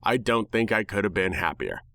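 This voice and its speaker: A man's voice: fairly low pitch, moderate pace, no echo. Sardonic man narrating a story, dry sound. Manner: sardonic, expressive. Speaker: fan fiction narrator. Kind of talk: dramatic first-person story narration.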